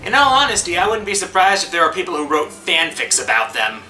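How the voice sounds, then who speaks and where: Animated, bright-voiced middle-aged male narrator. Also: high voice, quick pace, faint music behind, rough recording. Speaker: video game countdown host. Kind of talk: scripted video essay narration.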